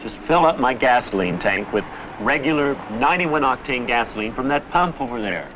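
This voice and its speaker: An actor playing an impatient, sarcastic driver with a dry, exasperated manner in an old educational film. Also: male voice, mid-range voice, animated, moderate pace, close to an everyday voice. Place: outdoors at a service station. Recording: muffled, noisy outdoor film soundtrack.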